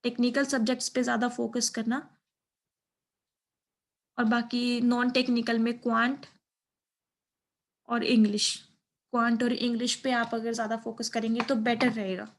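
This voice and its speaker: A young woman teaches in an informal explainer style. Her voice sits fairly high and moves very little in pitch. She reassures the listener and often repeats her points. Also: level tone, normal speed, pauses often. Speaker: exam-prep video teacher. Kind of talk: informal explainer of an exam paper.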